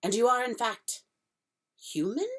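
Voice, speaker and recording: A woman voicing a nervous, polite male fawn who stammers and drops into breathy whispers. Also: fairly high pitch, lively intonation, a little slow, voice pushed up. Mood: flustered.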